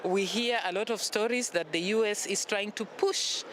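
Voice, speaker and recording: A woman's voice: medium pitch, normal speed, a bit bright, slight background noise. Firm woman from Kenya. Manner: firm, critical. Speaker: conservation worker.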